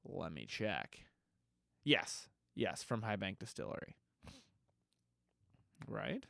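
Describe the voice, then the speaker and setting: A man's voice: lowish voice, sing-song, slow, gravelly, bright, forceful tone, no room sound, clean studio sound. Stuffy-nosed man, casual and rambling. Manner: loose and rambling, with frequent self-corrections. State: slightly stuffy nose. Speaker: podcast host. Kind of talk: casual solo podcast answering listener questions.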